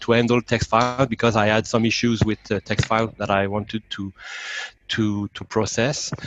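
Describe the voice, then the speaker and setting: A man speaks at a moderate pace with a French Canadian accent, his intonation monotone and flat, in a dry, close sound with no echo. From Quebec, Montreal. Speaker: hobbyist software developer. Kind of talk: webinar self-introduction. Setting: online webinar. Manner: halting, searching for words.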